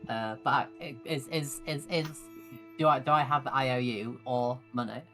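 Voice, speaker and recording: A man's voice: mid-range voice, fairly even intonation, moderate pace, pushed and bright, soft background music. A man chatting casually as a tabletop game player, stammering and repeating words as he works things out.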